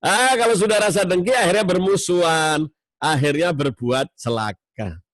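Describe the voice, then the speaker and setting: A man giving a sermon to a mosque study circle, explaining with warmth and acting out tones of voice in his examples. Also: high-pitched, moderate pace, no room sound.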